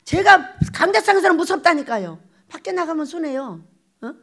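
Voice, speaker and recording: An older woman pastor preaching a lively storytelling sermon, acting out little exchanges and laughing as she goes. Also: extremely high pitch, moderate pace. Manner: animated, acts out quoted exchanges, laughs often. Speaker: pastor, head of a prayer retreat.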